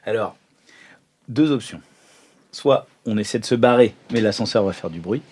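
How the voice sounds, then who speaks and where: A man's voice: fairly low pitch, normal speed, darkish tone, breathy edge. A man chatting casually as a player in a tabletop role-playing game. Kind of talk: casual banter.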